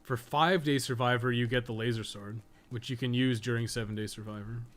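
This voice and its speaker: This podcast co-host talks fairly quickly in a steady, medium-pitched, slightly bright voice while playing a game on stream. He rambles casually, cursing and muttering to himself as he plays.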